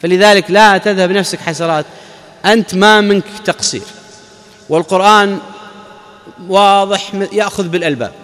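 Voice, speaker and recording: High-voiced man teaching in a hall. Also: brisk, long pauses, fairly bright tone. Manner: explanatory, asks the audience questions then answers. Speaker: Islamic scholar. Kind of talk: Quran exegesis lesson. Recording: long reverb of a large hall.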